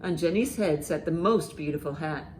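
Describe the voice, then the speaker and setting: A woman hosting a children's storytime, reading aloud and reciting rhymes with expressive, deliberate emphasis. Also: low voice, slight background noise, rough recording. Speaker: library storytime host.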